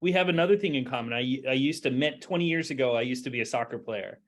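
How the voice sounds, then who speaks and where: A man, a neurosurgeon and guest lecturer, chatting warmly before his talk over a video call, with the odd stammer. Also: mid-range voice. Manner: friendly, quick to agree, some stammering. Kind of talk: casual chat before a talk.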